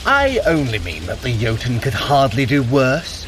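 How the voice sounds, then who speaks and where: An actor playing a wry, haughty trickster god in an audio drama, speaking with dry sarcasm and formal, eloquent phrasing. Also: male voice, medium pitch, huge pitch swings, moderate pace, fairly bright tone, a little hiss or hum. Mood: sardonic, grudging.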